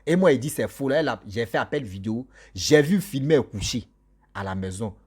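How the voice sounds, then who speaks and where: A man's voice: mid-range voice, animated, a little fast, breathy edge. A man telling a ghost story casually, laughing often and acting out the people in it.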